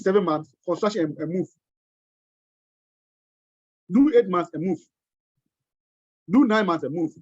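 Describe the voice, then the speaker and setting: Man, webinar lecture, emphatic, repeats and restarts words, high voice, dull lo-fi sound. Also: husky, dry recording. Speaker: webinar presenter on tax treaties. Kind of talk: lecture-style webinar talk.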